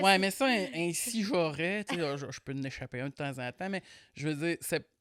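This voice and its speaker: In a dry, close sound with no echo, a man with a high pitch speaks at a moderate pace with lively intonation. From Quebec, Côte-Nord. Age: 40s. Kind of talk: casual chat. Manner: repeats words, hesitant fillers.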